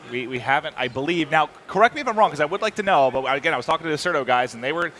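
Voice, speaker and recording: A man talking very quickly in a bright, forward voice, filling downtime between matches. His chat is loose and chatty, and he keeps stopping to correct himself mid-sentence. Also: a little high, lively intonation. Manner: fast, chatty, self-correcting. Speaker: esports commentator.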